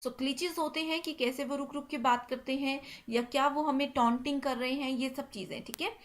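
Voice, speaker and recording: A young woman delivers an exam-prep lecture with a high, light voice. She works through the material in a steady explanatory tone, dropping in English terms and pausing on a quick "theek hai" as she moves between points. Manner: repeats "ठीक है" constantly, mixes English terms into Hindi.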